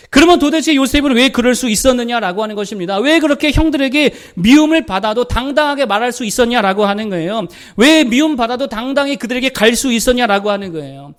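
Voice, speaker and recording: Middle-aged male pastor, high-pitched, preaching with insistent repetition and rhetorical questions. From South Korea. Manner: emphatic preaching, repeats phrases and asks the congregation questions. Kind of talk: sermon. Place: church sanctuary.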